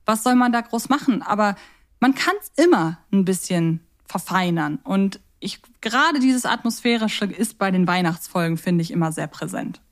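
On a podcast she co-hosts, a woman chats casually about audio dramas in a thoughtful, questioning way. Her voice is medium in pitch, with lively intonation at a normal speed.

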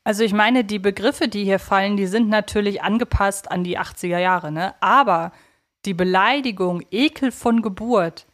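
A woman's voice: mid-range voice, moderate pace, a bit bright. A woman hosting a podcast, giving conversational commentary. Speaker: podcast host.

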